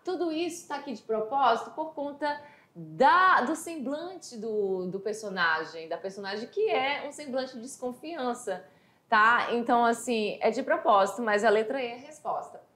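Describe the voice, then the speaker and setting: A Brazilian woman teacher giving a lively exam review lesson, chatty, slowing down to read English phrases aloud. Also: fairly high pitch, reverberant. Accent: Brazilian Portuguese. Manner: animated, chatty, reads English quotes slowly.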